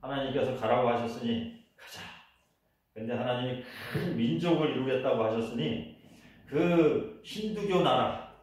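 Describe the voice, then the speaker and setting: A man's voice: medium pitch, normal speed, a little mellow. Korean pastor guy preaching, telling his story, voice bouncing around a big echoey church, a bit off the mic. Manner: storytelling, leading the congregation in repetition. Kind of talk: sermon. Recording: echoey church hall, voice from a distance.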